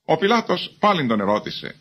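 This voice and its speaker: A man's voice: on the high side, big pitch swings, fairly bright tone. Man reading scripture aloud. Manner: measured, formal reading. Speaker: Bible reader.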